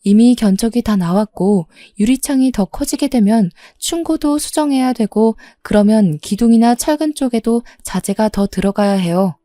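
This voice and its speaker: Mellow woman telling a story. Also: on the high side, moderate pace, hardly any pauses, no echo. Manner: steady confiding retelling. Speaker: story narrator. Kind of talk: first-person storytelling narration.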